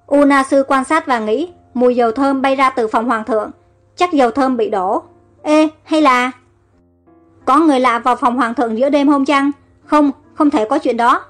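High-voiced woman reading a story. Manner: reads all characters herself in a steady narrating voice. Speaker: narrator.

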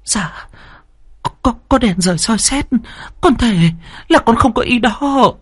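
Man doing a timid young servant woman, meek, stammering, pleading, very high, husky. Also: a little slow, exaggerated voice.

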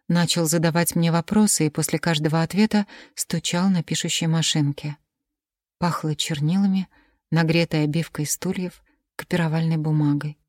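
A woman narrating a first-person audiobook in a quiet, measured reading voice on a close mic. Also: low voice, dry recording.

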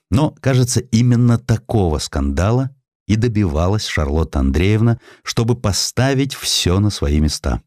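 A man reading a historical essay aloud as an audiobook narrator, in a measured, expressive way with emphatic rises. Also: low voice, no room sound, studio quality.

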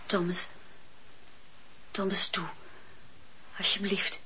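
Slow, pleading, tender wife. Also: female voice, medium pitch, flat delivery, sharp tone. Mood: coaxing. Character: tender, pleading, fervent wife, earnest and fearful. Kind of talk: Dutch radio play acting. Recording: dull, noisy old radio play tape.

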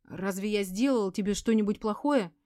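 A woman's voice: mid-range voice, normal speed, mellow, no room sound, clean studio sound, lightly acted. A woman reading a saddened, defensive husband. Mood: hurt, defensive. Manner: subdued, defensive. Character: hurt, bewildered man defending himself to ex-wife.

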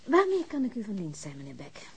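An actress playing a composed, businesslike office secretary in a radio drama, formal and matter-of-fact. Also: female voice, medium pitch, wildly swooping pitch, fairly quick, breathy edge, heavily acted. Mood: polite, composed. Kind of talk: Dutch radio drama dialogue.

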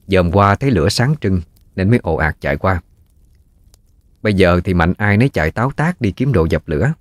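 A man with a Southern Vietnamese accent narrating a ghost story in a folksy, unhurried way. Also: low voice, no echo, studio quality.

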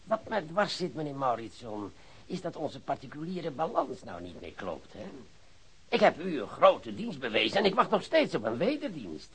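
Wheedling police investigator, forceful, hugely varied pitch, rough throat, mock-polite, theatrical, radio play. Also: male voice, wildly swooping pitch, normal speed, exaggerated voice, poor audio. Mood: smug, menacing. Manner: theatrical, oily politeness with sudden outbursts. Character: wheedling, volatile male police investigator pressing an informant. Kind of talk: radio drama acting.

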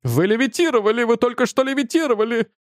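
A man voicing an agitated older male physics professor with a shrill voice, accusing and insistent. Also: lively intonation, quick pace, no room sound, clean studio sound. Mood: frantic. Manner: accusing, insistent, increasingly frantic.

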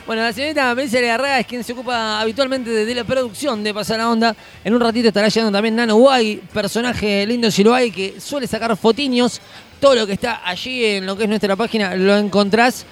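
A man's voice: very high-pitched, steady tone, fast. A man with an Argentine accent hosting a live music broadcast from a venue, chatting enthusiastically in a casual, slangy way. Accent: Argentine Spanish. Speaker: radio show host.

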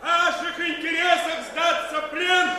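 An actor playing a stern commander shouting a declamatory ultimatum in a radio drama. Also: male voice, very high voice, fairly even intonation, measured pace, a faint crowd, full character voice. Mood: commanding. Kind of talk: Soviet radio drama acting. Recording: very echoey, distant, faintly noisy outdoor shouting.

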